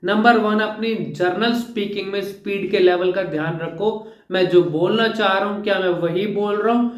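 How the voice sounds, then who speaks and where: A man with a high voice gives an instructional talk as a speech coach. He is emphatic and hammers his points home as numbered rules. The sound carries a roomy echo. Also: steady tone, moderate pace.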